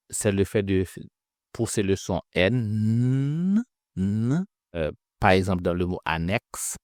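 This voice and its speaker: Male pronunciation teacher, very low voice, unhurried, repeats drills, dry close sound. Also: no echo. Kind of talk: slow instructional phonetics lesson.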